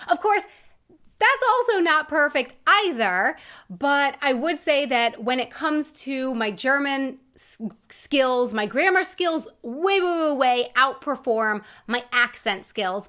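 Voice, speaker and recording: A high-pitched American woman in her thirties addresses her vlog audience directly. She talks in an earnest, encouraging way, stressing her main points with lively emphasis. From United States. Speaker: vlogger. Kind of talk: earnest personal vlog talk.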